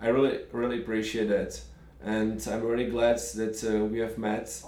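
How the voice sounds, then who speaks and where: In a Czech accent, a man speaks with monotone, flat intonation, and the room echo is audible. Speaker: podcast host. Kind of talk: interview. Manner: halting.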